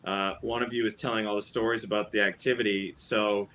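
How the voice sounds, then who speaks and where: Bright, low-voiced male moderator. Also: flat delivery, a little fast, slight background noise. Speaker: panel moderator. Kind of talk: panel discussion.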